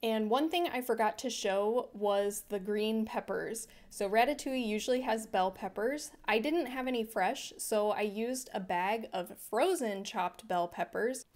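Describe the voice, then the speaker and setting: A woman's voice: a little high, measured pace, hardly any pauses, darkish tone. Woman doing a voiceover for her cooking vlog, friendly and chatty, explains every step. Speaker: vegan cooking channel host. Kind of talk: voice-over narration of a cooking video.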